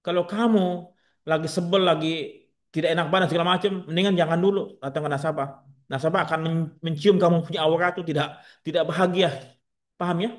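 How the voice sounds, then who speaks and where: A man teaching a class of staff fires questions at them and answers them himself. His speaking voice sits fairly high. He is blunt and slips in joking asides. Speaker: insurance trainer.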